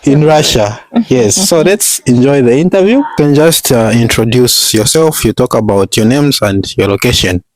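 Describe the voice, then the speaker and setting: A man's voice: medium pitch, lively intonation, normal speed, few pauses, dry recording. A man hosting a casual video interview, asking questions in long winding sentences and laughing often. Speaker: vlogger interviewer.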